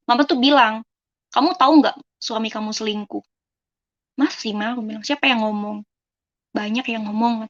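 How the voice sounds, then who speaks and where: A young woman from Indonesia tells her life story to listeners, talking casually and turning to them often as friends. Her voice sits a little high. The recording is dull and lo-fi. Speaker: person giving a testimony. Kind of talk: personal life story told to an audience.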